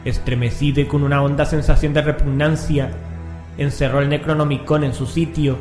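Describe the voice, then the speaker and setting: A man's voice: fairly high pitch, little pitch movement, fairly quick. A man narrating a scripted horror story in a solemn, dramatic manner. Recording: echoing, music underneath.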